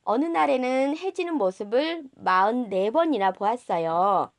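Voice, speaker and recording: A wistful little prince in a storybook, speaking politely and innocently in a high, lilting voice, as a woman reader plays him. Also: lively intonation, a little slow, no echo. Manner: polite, simple childlike phrasing.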